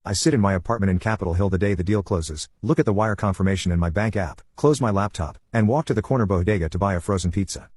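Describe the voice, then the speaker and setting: A man in his thirties from the United States reads a first-person story in a measured, deliberate way. His voice is low and husky, and the recording is dry and close with no room sound. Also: a little mellow, dry recording. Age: 30s. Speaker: narrator.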